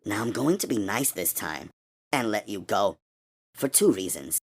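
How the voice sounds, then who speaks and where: A man voicing a weary, mysterious woman with angelic powers, speaking calmly and knowingly. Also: normal speed, breathy edge, full character voice. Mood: menacing. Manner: calm, knowing, low-key. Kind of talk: audiobook character voice.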